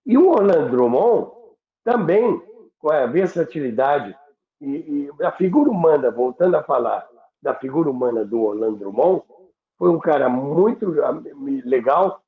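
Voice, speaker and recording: Reminiscing about radio history, a veteran broadcaster and host from Rio, now older, speaks in a slightly high, expressive voice. His delivery is unhurried and halting with repeated words, heard through roomy, phone-like sound.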